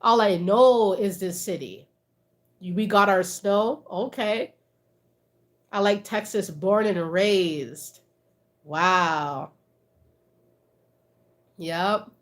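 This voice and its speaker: A Canadian woman hosts a livestream, chatting casually with viewers, reading their comments aloud, and laughing often. Her voice is medium-pitched, and she speaks extremely slowly with frequent pauses.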